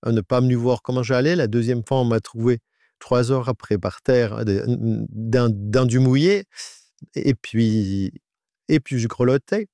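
A man in his nineties gives a halting personal testimony in a radio interview. His voice is disguised by an AI voice changer. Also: mid-range voice, dark tone, no echo, studio quality. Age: 90s. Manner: halting, with many restarts and repetitions. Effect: voice altered by an AI voice changer.

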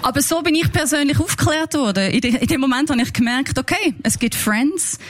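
A Swiss-accented woman comedian from German-speaking Switzerland, telling a story in a chatty, animated way before a live audience. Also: high-pitched, fairly quick, a little hiss or hum. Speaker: stage comedian. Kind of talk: stand-up storytelling.

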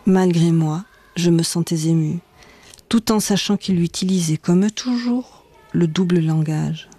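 A woman narrating her own memoir in a measured, reflective reading. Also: on the low side, mellow, slightly rough.

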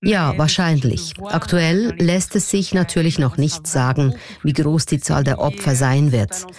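A woman's voice: sits low, steady tone, unhurried, darkish tone. A woman reading a translated voice-over for radio news.

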